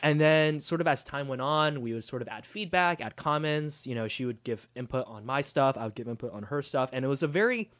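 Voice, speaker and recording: A man in his late twenties joins a podcast as a guest writer and talks about his work. He sounds easygoing and hedges often, leaning on lots of fillers. His pitch sits in the ordinary middle range. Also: fairly quick, hardly any pauses, fairly bright tone. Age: 20s. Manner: easygoing, filler-heavy, hedging. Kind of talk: casual interview chat.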